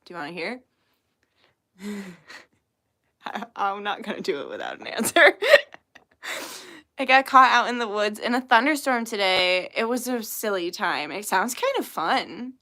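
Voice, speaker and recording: A woman's voice: medium pitch, very animated, measured pace, long pauses, pushed and bright. A young woman hosting a tarot livestream, chatting casually with viewers, swearing freely and laughing often. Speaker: tarot reader livestream host. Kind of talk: casual livestream chat, reading chat messages.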